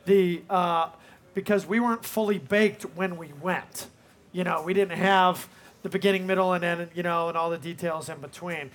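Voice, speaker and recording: A man with a fairly high speaking voice answers questions from a live audience. He is a film director talking off the cuff, looping back on himself and filling gaps with "you know". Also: steady tone, moderate pace, fairly bright tone. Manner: rambling, leans on "you know".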